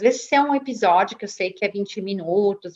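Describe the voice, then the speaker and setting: At a moderate pace, a woman speaks with lively intonation and a slight gaúcho accent. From Rio Grande do Sul, southern Brazil. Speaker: parent seeking advice. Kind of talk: advice podcast conversation. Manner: halting.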